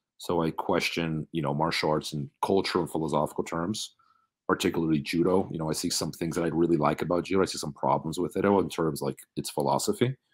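A man with a very deep, low voice talks at a very fast pace with fairly even intonation. The background is quiet. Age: 40s. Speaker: podcast guest. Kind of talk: casual interview. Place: home room.

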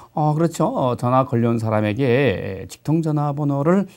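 Over a quiet background, a man talks in an ordinary speaking voice at a fairly slow pace. His medium pitch moves with lively intonation. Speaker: English lecturer. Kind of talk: lecture. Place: studio. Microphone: lapel.

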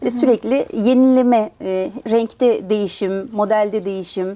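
Noticeable background noise sits under a woman's fairly high voice with ordinary pitch variation. She talks at a fairly slow pace, with hardly any pauses. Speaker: clothing company co-founder. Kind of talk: interview.

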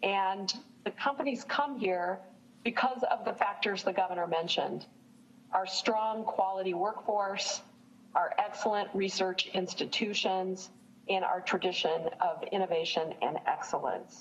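A woman talks at a fairly slow pace with ordinary pitch variation while light noise runs in the background. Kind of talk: press briefing remarks. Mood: upbeat, reassuring. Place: home room. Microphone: video call.

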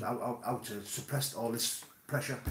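The speaker's intonation stays fairly even, with audible room echo and light background noise. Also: man. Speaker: actor interviewed about his past. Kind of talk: interview answer. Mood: earnest, reflective. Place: home room. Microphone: phone near.

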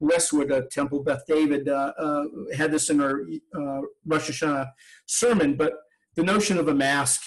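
A man's moderately paced speech with fairly even intonation and long, frequent pauses over a quiet background. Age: 60s. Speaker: author and former business professor; guest. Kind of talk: panel interview. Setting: video call. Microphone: video call.

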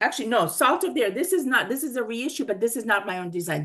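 Against a quiet background, a woman speaks in an animated tone with a fairly high pitch. Her pitch swings very widely. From USSR, came to US as a child refugee. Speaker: author; interviewee. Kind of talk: interview. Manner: animated, talkative. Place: home room. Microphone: video call.

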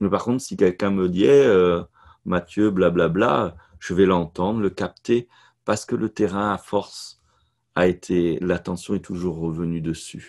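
Against a quiet background, a man speaks fairly slowly at a very deep, low pitch with ordinary pitch variation. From Africa, moved to France at 14. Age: 40s. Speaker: spiritual speaker; conference guest. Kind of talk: interview. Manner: halting. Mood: calm, reflective. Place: home room. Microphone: webcam.

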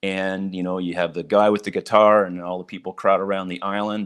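The speaker talks at a fairly quick pace in a flat monotone over a quiet background. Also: man. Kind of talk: live stream talk to viewers. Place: home room. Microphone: lapel.

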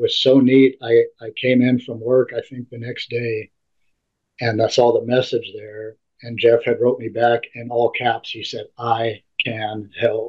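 Over a quiet background, the voice moves at a fairly slow pace with big swings in loudness. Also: man. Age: 50s. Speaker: former church member sharing his story; interview guest. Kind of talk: interview testimony. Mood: reflective, relaxed. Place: home room. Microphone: video call.

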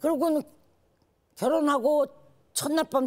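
A woman's dark, mellow tone comes through against a quiet background. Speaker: comedian; talk show guest, comedian. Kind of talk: talk show interview. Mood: reflective, emotional storytelling. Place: studio. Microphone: lapel.

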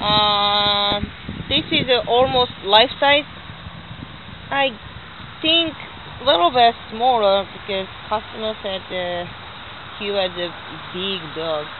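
In a non-native accent, a woman at a medium pitch speaks at a very slow pace with long, frequent pauses, the sound dry with no echo but carrying noticeable background noise. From Japan. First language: Japanese. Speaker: chainsaw carver. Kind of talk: casual talk to camera. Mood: friendly, enthusiastic. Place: open country. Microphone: phone near.

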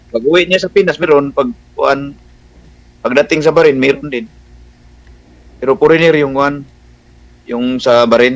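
With long, frequent pauses, a man talks at a moderate pace in a fairly high pitch with ordinary pitch variation. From Mindanao, Philippines. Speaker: overseas Filipino worker, dating show participant. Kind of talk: casual chat.

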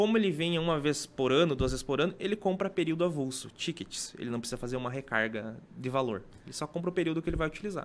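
A man speaks at a very fast pace. His fairly high voice has lively intonation. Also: hardly any pauses. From Rio Grande do Sul, Carazinho; Rio Grande do Sul, Brazil. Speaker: parking company supervisor; guest. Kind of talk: radio interview. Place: studio. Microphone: studio mic.

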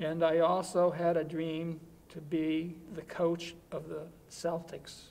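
This man has a high pitch and an American accent. He talks at a very slow pace with monotone, flat intonation. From Massachusetts, US. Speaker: interviewee scientist. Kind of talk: interview answer. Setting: conference interview. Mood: reflective, reminiscing. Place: studio.

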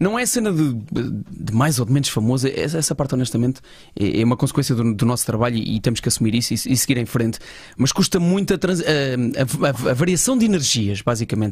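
A man's fairly high, somewhat breathy voice at a fairly quick pace, lively in intonation and very even in loudness, with a dry, echo-free sound and a quiet background. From Portugal. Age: 30s. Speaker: podcast host. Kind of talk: casual interview chat. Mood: reflective, candid. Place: studio. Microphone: studio mic.

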